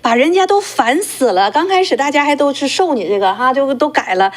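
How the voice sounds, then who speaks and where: A woman's voice: sits high, animated, brisk. A woman co-hosting a casual political talk show, indignant and pressing her points with rhetorical questions.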